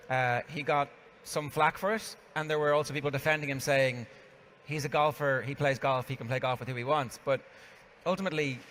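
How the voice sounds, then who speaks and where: A man's voice: medium pitch, a bit bright. Brief: male interviewer on a conference stage, conversational, sets up his questions at length; long hall reverb, faint hum.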